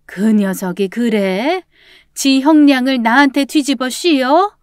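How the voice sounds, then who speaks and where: A woman's voice: high-pitched, takes it slowly, darkish tone, smooth, dry recording, clean studio sound, pitched above the performer's own voice. A woman putting on a sly old grandmother swindler. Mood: aggrieved. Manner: stubborn, resentful, scolding. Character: sly old female con artist grandmother.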